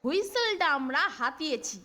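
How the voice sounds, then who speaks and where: A woman voicing a cheeky, excitable little schoolboy prankster in a cartoon. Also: sits high, normal speed. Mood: gleeful. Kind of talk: cartoon dialogue. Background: loud music.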